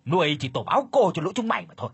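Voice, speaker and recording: A man's voice: on the high side, brisk, a bit bright, breathy edge, no echo. A man playing a bellowing, cruel landlord. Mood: furious. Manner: bellowing, cursing. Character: brutal older male landlord.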